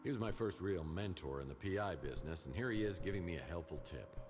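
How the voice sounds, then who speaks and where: Very deep-voiced wisecracking private eye. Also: male voice, animated, fast talker, over music. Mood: wry. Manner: wry, sardonic. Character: wisecracking world-weary male private detective hero. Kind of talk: adventure game voice acting, noir monologue.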